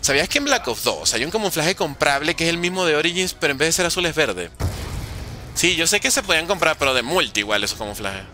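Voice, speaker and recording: A young man commentates his live game stream, reading viewers' questions aloud and joking back at them. His voice is very bright and sits a little high, and his pitch jumps around a lot. Faint game music plays behind him. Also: very animated, fast talker. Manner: joking, reads chat questions aloud and answers playfully. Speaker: gaming streamer.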